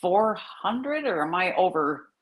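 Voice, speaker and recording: A middle-aged woman from Michigan chats as a guest in a lively voice that swings up and down. She has a Michigan accent and a giggly way of talking, laughing often between sentences. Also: on the low side, slow, poor audio. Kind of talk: casual chat.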